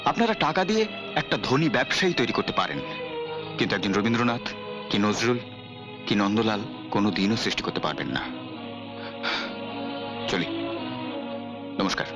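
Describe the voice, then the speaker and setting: A defiant poor artist. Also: male voice, lowish voice, very animated, moderate pace, long pauses. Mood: proud. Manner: dignified, defiant. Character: proud poor young artist, defiant son-in-law. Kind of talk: film drama acting. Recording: dry film soundtrack with faint music.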